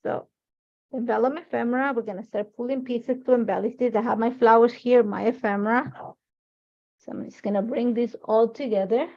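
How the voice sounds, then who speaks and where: Over dull, lo-fi stream audio, a middle-aged Ecuadorian woman, Spanish being her first language, runs a live crafting demonstration at her desk with an overhead camera. She sounds a little high, brisk, and steady in tone as she chats and thinks aloud.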